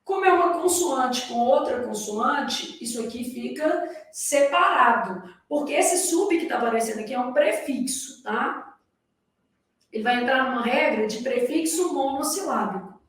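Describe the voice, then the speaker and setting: In an echoey room, far from the mic, a woman with a Brazilian Portuguese accent teaches grammar to exam candidates in a recorded lecture. Her high voice is expressive and moves at a moderate pace. She explains things didactically and repeatedly asks the class rhetorical questions.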